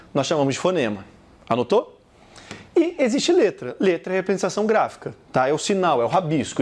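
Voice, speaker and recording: Man, Brazilian Portuguese accent, teacher, video lesson, very expressive pitch, addresses the viewer. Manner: animated, talks straight to the viewer, repeats example words slowly.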